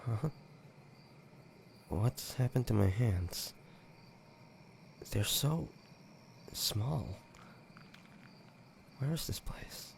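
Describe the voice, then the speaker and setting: Audio drama: male actor as confused, sincere young demon boy. Creaky, hesitant, unhurried delivery, faint night ambience behind. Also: medium pitch, expressive, a little mellow, slight background noise, exaggerated voice. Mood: confused, searching. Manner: halting, hesitant, questioning. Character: bewildered man reliving childhood as an earnest demon boy. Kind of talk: dramatic audio roleplay acting.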